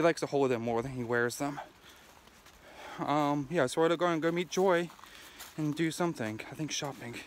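A man at a moderate pace with ordinary pitch variation, in a dry sound with no echo and light background noise. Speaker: parent vlogger. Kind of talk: casual vlog chat. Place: open country. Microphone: phone near.

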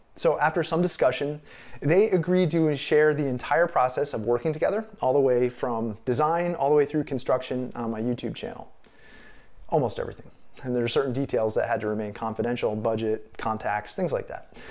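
In an American accent, a man speaks at a fairly quick pace and a fairly high pitch with lively intonation against a quiet background. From New York State, US. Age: 40s. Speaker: architect and course creator; course creator. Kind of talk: scripted narration. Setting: in his studio. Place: home room.

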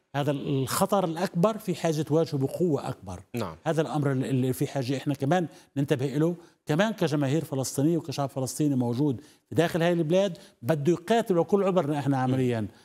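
Over a quiet background, a man with a fairly high pitch and a dark, mellow tone talks at a fairly quick pace with lively intonation. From Palestinian citizen of Israel. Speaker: political party official; guest. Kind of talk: TV panel discussion. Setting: studio. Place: studio. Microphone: lapel.

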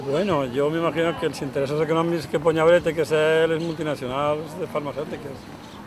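Over noticeable background noise, a man talks at a fairly quick pace in a fairly high, monotone voice with flat intonation and a dry sound with no echo. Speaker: aid volunteer in Africa. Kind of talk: interview testimony. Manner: halting. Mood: earnest, concerned. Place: open country.

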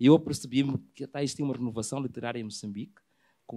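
A man's dark, mellow voice at medium pitch, with fairly even intonation and a quiet background. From Mozambique. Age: 40s. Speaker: poet and publisher; poet. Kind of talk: panel discussion. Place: hall. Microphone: handheld.

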